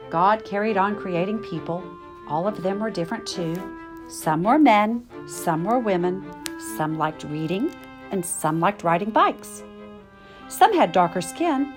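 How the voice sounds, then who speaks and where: A middle-aged woman reads a children's picture book aloud. Her delivery is animated and expressive, with emphatic phrasing meant for young listeners, over faint music. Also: medium pitch, measured pace. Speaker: storytime reader.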